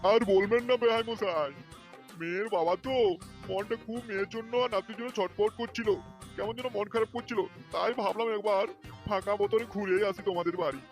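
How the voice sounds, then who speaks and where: A man's voice: high-pitched, fairly quick, faint music behind. A man voicing a stingy, scheming old father-in-law in a cartoon who whines and wheedles. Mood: wheedling. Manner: wheedling, self-pitying. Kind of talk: cartoon voice acting.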